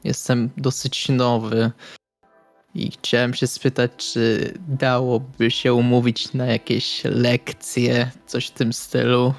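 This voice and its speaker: A man's voice: mid-range voice, little pitch movement, slow pace, vocal fry, faint music behind. A man playing a tabletop role-playing game, speaking politely and a little hesitantly in and out of character.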